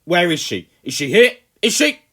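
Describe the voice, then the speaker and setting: A man playing a pompous older colonel who shouts and rants in fury at a family. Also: high voice, very animated, normal speed, pitched above the performer's own voice, exaggerated voice. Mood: raging. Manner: shouting, ranting. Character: pompous older male colonel, furious landowner.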